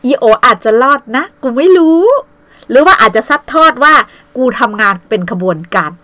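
A woman's voice: on the high side, lively intonation, normal speed, pushed and bright, no room sound. Blunt, scolding woman in her fifties. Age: 50s. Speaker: vlogger. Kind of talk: casual livestream rant.

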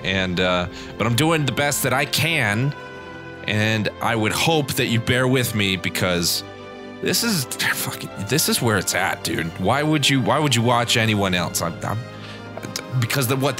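A man with a congested, nasal voice giving loose, rambling let's-play commentary and swearing freely. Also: fairly low pitch. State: congested from allergies, tired throat. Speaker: gaming channel host. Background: game music.

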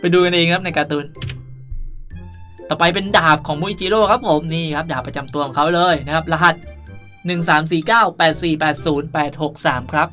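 Young male gaming host, bright delivery, playful and chatty tutorial commentary over light music. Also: a little high, fairly even intonation, fairly quick. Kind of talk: casual game tutorial commentary.

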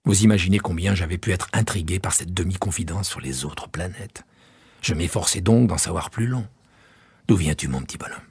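Husky, gravelly male storyteller. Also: low-pitched, no room sound. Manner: intimate, unhurried storytelling with hushed asides. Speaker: narrator. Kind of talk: audiobook reading of a classic tale.

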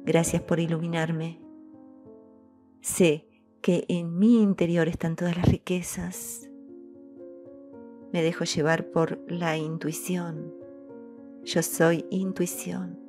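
A woman speaks in a low, unhurried voice, calm and devotional, as she leads a spiritual reflection and recites decrees. Faint music plays softly behind her. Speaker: spiritual channel host. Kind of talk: slow meditative spiritual message and decree. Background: soft background music.

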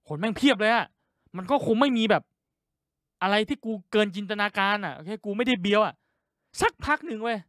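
A man's voice: sits high, a bit bright, dry recording, studio quality. A man telling a crude, profane story as a stand-up comedian.

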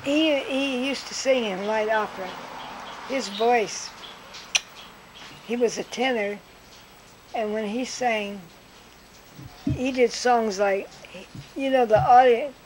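An older woman recounting memories from her life in an interview, telling stories lively and acting out what people said. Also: a little high, slow pace, long pauses, noisy background. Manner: lively storyteller who acts out quotes with laughs.

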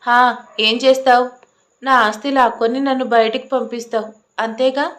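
A woman's voice: on the high side, fairly even intonation, normal speed, a bit bright, close to an everyday voice. Woman voicing defiant angry heroine. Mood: indignant, angry. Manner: indignant, argumentative.

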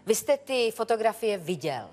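A sharp defense attorney, as a woman plays her, pressing the witness with pointed questions. The courtroom gives a long reverb, with faint music under it. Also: mid-range voice, sing-song, lightly acted. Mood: probing. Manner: pointed, probing cross-examination. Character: sharp female defense attorney cross-examining. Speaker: lawyer for the respondent. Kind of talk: scripted courtroom TV show.

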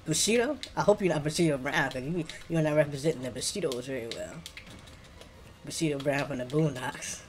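Noisy mid-pitched African American gaming streamer. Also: fairly even intonation, brisk. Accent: African American English. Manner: slangy, reactive muttering to self and opponents. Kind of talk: casual live game commentary. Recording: clear background noise with keyboard clicking.

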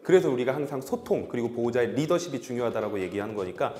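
A male dog behavior veterinarian and trainer giving an upbeat training demonstration, bursting into cheerful praise and quick commands. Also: medium pitch, expressive, mellow. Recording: echoey hall with faint music.

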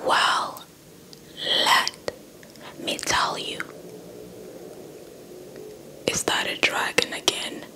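A young woman telling a story in a breathy ASMR whisper close to the mic, deliberate and softly repeating words. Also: poor audio. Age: young adult. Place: indoors in front of a dark cloth backdrop. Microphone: handheld small mic with fluffy windscreen, held close.

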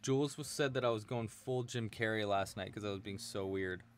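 A man's voice: lowish voice, a little fast, faint music behind. A young man teaching crochet on a home live stream, chatty and playful, reading chat messages aloud and laughing as he works. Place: small room at home, indoors.

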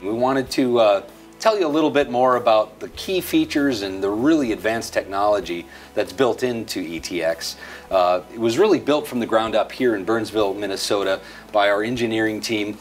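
A middle-aged American man with a fairly low voice presents a product tutorial conversationally. Music plays along with his speech. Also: normal speed. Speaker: video tutorial host. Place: indoor product display set.

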